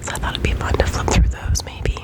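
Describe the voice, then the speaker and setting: A middle-aged American woman whispering a chatty, rambling ASMR monologue very close to the microphone in a room at home. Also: a little fast. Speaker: ASMR video creator. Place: small room at home, indoors. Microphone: USB condenser microphone held close to the mouth.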